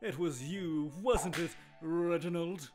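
A man plays a pompous gentleman of the upper class, full of theatrical accusation. The voice is raised a little and measured, over faint music. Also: a little high. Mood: indignant, accusing.

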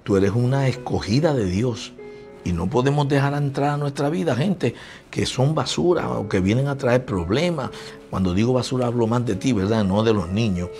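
A middle-aged Puerto Rican pastor preaches a homey, conversational sermon, slipping into little scenes with his family. His voice sits at an ordinary middle pitch. Soft music plays faintly behind him. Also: animated, moderate pace. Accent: Puerto Rican Spanish. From Puerto Rico.

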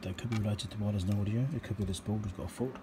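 A man's voice: lowish voice, fairly even intonation, racing. A man talking casually and matter-of-factly through electronics repair, thinking aloud in short fragments at a workbench. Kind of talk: casual unscripted workbench commentary. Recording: noisy hand-held workshop recording.

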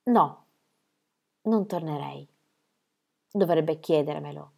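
A woman voicing a calm, loving mother in a reading of a children's story, speaking slowly and softly. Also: vocal fry, exaggerated voice. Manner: slow, calm, low and soft. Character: calm, loving mother Lovisa, steady and wise.

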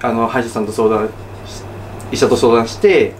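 A young man telling a story in a mock-serious, halting way, building toward a letdown punchline. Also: mid-range voice, fairly even intonation, distant mic, very noisy. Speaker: storyteller, group member. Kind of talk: casual comic storytelling.

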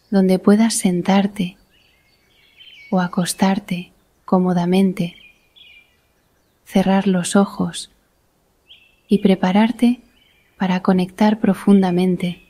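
A woman guiding a meditation in a soothing, deliberate manner with long pauses between phrases. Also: medium pitch, mellow. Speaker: guided meditation instructor. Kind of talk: slow guided meditation narration.

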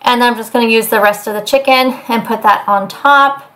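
A woman's voice: a little high, a little fast, fairly bright tone. A woman chatting casually through a meal prep video in her home kitchen, rambling with fillers. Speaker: cooking vlogger.

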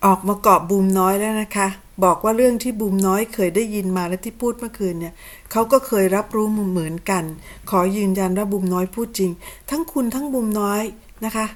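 A woman in her fifties from Thailand, hosting her channel with sarcastic, indignant rebuttals. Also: medium pitch. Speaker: channel host. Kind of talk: combative commentary on clips.

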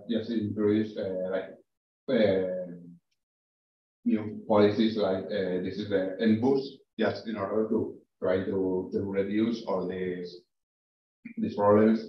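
Slow, halting man presenting research. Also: on the low side, a little hiss or hum. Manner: halting, hesitant, many fillers. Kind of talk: academic presentation and answers. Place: lecture room. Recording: echoey, distant, dull room recording.

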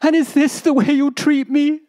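A woman's voice: sits high, level tone, moderate pace, mellow, pitched above the performer's own voice, close to an everyday voice. A woman voicing a poor nomad's pleading wife. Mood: hurt. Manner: pleading, repeating "husband" with rising intensity. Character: poor desert nomad's wife, anxious and insistent.

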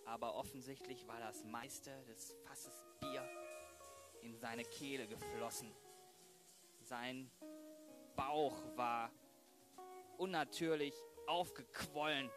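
A man narrating a crime audio drama in a dramatic style. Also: mid-range voice. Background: music.

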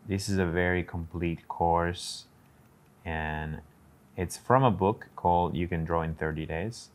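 A man's voice: low voice, steady tone, measured pace. A man casually narrating his drawing steps on a live stream, talking through each step and greeting viewers in chat.

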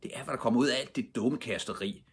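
A man's voice: mid-range voice, breathy edge, voice pushed up. A man doing a mumbling grumpy boy. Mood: grumbling. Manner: mumbling and grumbling.

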